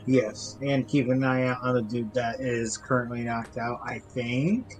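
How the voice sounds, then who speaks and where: A man's voice: mid-range voice, fairly even intonation, unhurried, music in the background, low-quality recording. A man casually describing his character's actions as a player in a tabletop game.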